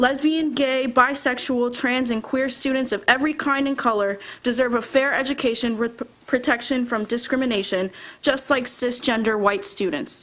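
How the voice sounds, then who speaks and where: Against noticeable background noise, a woman with a high pitch speaks with an American accent. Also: ordinary pitch variation, moderate pace. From Sarasota, Florida. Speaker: parent, public commenter. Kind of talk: public comment at school board meeting. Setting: school board meeting. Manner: forceful.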